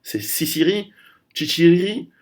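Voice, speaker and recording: A man's voice: a little high, big pitch swings, slow. A man of Italian heritage hosting his own video channel, talking casually through a history lesson with many restarts and fillers. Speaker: video host. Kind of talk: casual history talk to camera.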